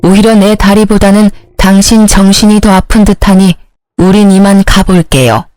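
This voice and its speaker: Woman voicing a calm, dignified mother. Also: medium pitch, no room sound, clean studio sound, close to an everyday voice. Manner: calm, measured. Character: calm dignified middle-aged mother, a lawyer.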